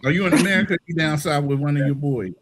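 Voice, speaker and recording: A man from Maryland hosting a casual online panel chat, teasing and animated. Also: on the high side, quick pace, a crowd in the background.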